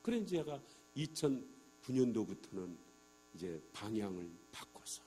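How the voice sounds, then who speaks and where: A middle-aged man, a church elder, giving an evangelistic testimony sermon to a congregation, acting out conversations and asking the listeners rhetorical questions. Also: on the high side. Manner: animated, acts out dialogues in quoted voices. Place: church sanctuary.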